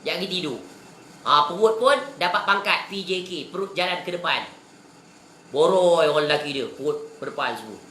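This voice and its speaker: Malaysian lady teaching religion, bright voice, keeps asking the room questions, echoey. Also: deep voice, brisk, slight background noise. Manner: lively, rhetorical questions, mixes in English words. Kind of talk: religious lecture.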